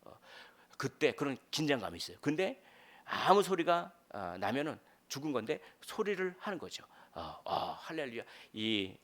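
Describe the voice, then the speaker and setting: A man preaching a midweek sermon as pastor, in a conversational way with fillers, rising to loud dramatic quotations. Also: mid-range voice, very animated, moderate pace.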